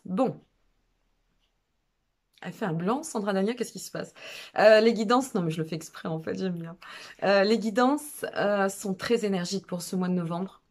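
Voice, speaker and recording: A woman's voice: mid-range voice, darkish tone. A woman with a Burgundian French accent chatting casually to her viewers as a channel host, digressive and self-mocking, repeating phrases for emphasis. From Burgundy, France. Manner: emphatic repetition to drive points home. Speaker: online guidance reader and channel host.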